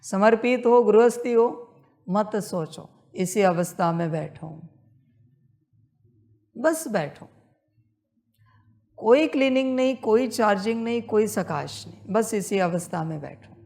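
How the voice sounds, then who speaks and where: A woman leading a guided meditation, repeating her instructions in a slow, insistent spiritual talk. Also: medium pitch, lively intonation, dark tone.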